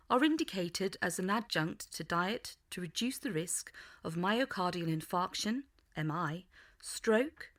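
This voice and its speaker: A woman's voice: on the low side, fairly bright tone. A woman delivering a polished, scripted voice-over read. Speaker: voice-over artist. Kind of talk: scripted voice-over reel reads. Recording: music behind the voice. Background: music.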